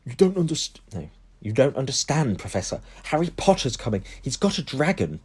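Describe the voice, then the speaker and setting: A man's voice: medium pitch, sing-song, fairly quick, darkish tone, husky, pitched above the performer's own voice. A man voicing a sneering teenage schoolboy, pleading desperately with a teacher.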